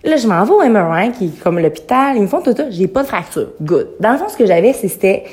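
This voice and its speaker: A woman's voice: medium pitch, sing-song, quick pace, a little mellow. A young woman with a Québécois French accent, hosting a podcast and telling a story in a rambling, chatty way, often dropping in English words and laughing. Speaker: podcast host.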